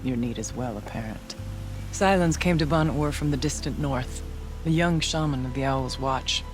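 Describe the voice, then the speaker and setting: An actor playing a solemn, devout tribal shaman in a video game, speaking in measured, formal, reverent phrases. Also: medium pitch, over music, lightly acted. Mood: grave, measured. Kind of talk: dramatic video game cutscene acting.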